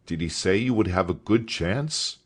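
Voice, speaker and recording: A man reading aloud voices a kindly, eager schoolmaster keen on boxing, with an animated, exclaiming delivery. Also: medium pitch, slow, slightly rough, voice pushed up, exaggerated voice.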